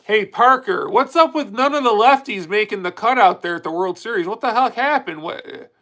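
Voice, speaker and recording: A man's voice: high voice, expressive, moderate pace, pushed and bright. A man in his late thirties hosting a casual livestream, talking candidly and rambling with frequent restarts as he answers viewer comments. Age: 30s. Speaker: livestream host.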